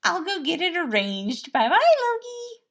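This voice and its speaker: A woman voicing a brash, gleeful, mischievous prince with a loud, teasing delivery in a storybook tale. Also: very high-pitched, sing-song, measured pace, dull audio, voice pushed up, heavily acted.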